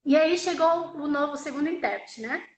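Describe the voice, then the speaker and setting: A woman interprets live, voicing a deaf signer's personal story in the first person, conversationally, with frequent tag questions and repeated phrases. Her voice is high-pitched and a little fast, and the poor audio has an echoey room.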